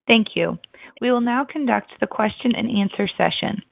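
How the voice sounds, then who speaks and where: A woman's voice: a little high, normal speed, creaky, no echo. A woman working as a conference call operator, reading scripted announcements. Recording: tinny dry phone line.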